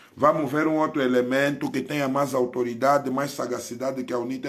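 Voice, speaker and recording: At a fairly quick pace, a man speaks at a medium pitch in an animated tone. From Angola. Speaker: political live streamer. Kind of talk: livestream political rant.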